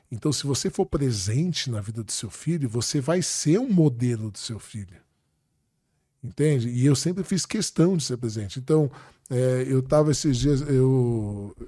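A middle-aged man with a Brazilian Portuguese accent, a podcast guest telling lively family stories in casual talk and acting out the dialogue. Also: mid-range voice, no echo, studio quality. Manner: animated anecdotes with quoted dialogue. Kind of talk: casual storytelling.

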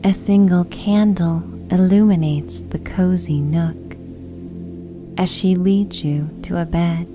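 Female sleep story narrator, lowish voice, extremely slow and hushed, soothing guided relaxation over music. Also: steady tone.

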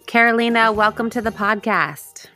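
A woman's voice: fairly high pitch, normal speed, pushed and bright, faint music behind. A woman hosting a podcast, reading an effusive scripted intro and then chatting in an upbeat way. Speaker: podcast host.

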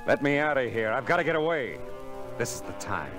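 An actor playing a dry, teasing, hard-boiled private eye in a 1940s radio detective drama. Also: male voice, medium pitch, lively intonation, brisk, over music, natural voice. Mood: wistful narrating.

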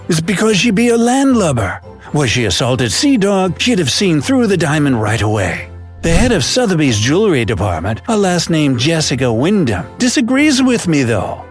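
A man voicing an old male pirate storyteller who tells tales of lost treasure in pirate slang with a theatrical drawl. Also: a little high. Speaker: narrator. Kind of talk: scripted narration.

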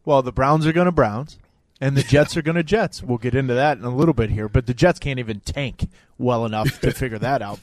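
A man from Minnesota co-hosting sports talk radio, joking and energetic as he breaks down a game. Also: a little high, dry recording. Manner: energetic, jokey, swings between loud and soft. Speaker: sports radio co-host, former player analyst.

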